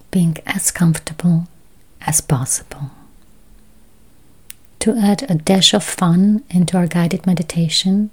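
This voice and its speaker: Very slow, whispery woman guiding meditation. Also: fairly low pitch, dark tone. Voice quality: breathy, whispery. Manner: slow, soothing, long pauses. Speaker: guided meditation host. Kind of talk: guided meditation, slow affirmations.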